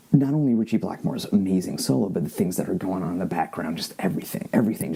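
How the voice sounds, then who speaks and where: A soft-spoken man with an enthusiastic tone amid noticeable background noise. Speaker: podcast host. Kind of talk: casual podcast talk, music commentary. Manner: soft-spoken, enthusiastic.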